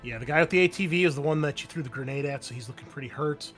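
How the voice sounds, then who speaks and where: A man's voice: fairly high pitch, racing, a bit bright, soft background music. A man narrating a tabletop roleplaying game as game master, mixing descriptive scene-setting with informal rules talk.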